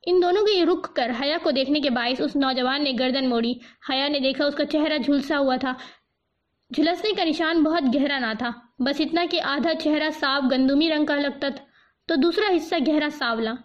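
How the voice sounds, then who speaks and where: A woman narrating a novel as an audiobook in a steady, expressive reading voice, on a dull lo-fi recording. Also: high-pitched.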